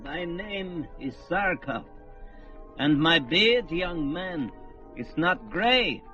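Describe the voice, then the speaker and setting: A man's voice: a little high, expressive, drawn-out words, pushed and bright, heavily acted. An actor playing an old white-bearded male desert sorcerer, theatrical and lilting, in 1940s radio acting style. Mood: wry, courtly. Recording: dull old radio recording with music.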